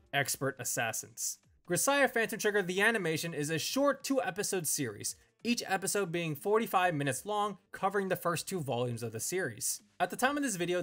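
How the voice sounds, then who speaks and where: Lively, higher-pitched young man narrating a review. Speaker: video reviewer and host.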